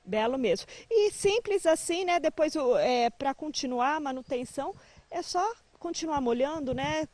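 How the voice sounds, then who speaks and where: A woman's voice: sits high, animated, normal speed, a little mellow, no echo. A woman in her thirties from Brazil, a field reporter cheerfully hosting a gardening segment outdoors, holding a handheld mic. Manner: cheerful, addresses viewers directly.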